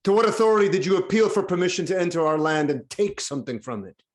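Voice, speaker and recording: A man's voice: sits high, expressive, fast. An actor playing a proud, commanding king in a Greek tragedy reading, speaking with stern, declamatory authority. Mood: stern challenge. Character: proud, commanding king defending suppliants of his city. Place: online video-call reading.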